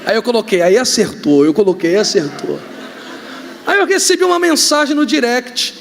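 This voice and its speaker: A man with a Brazilian accent, a pastor preaching a sermon, joking and telling stories with sudden shouts. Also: extremely high pitch, moderate pace, vocal fry, slight background noise. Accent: Brazilian Portuguese. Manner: joking, animated storytelling with shouts. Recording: reverberant hall, faint ambience.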